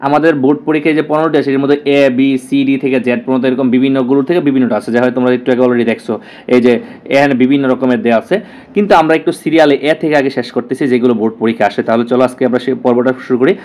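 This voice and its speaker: Fast-talking male tutor. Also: mid-range voice, darkish tone. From Bangladesh. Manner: rapid, repeats key words, checks in with "clear?". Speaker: teacher. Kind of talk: exam-prep lesson.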